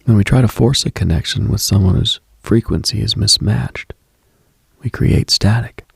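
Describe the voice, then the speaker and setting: A man hosting a late-night radio show in an intimate, contemplative monologue, hushed and unhurried, with a husky, gravelly, breathy voice. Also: lowish voice, no room sound, clean studio sound. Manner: hushed, unhurried, contemplative, addresses listener directly.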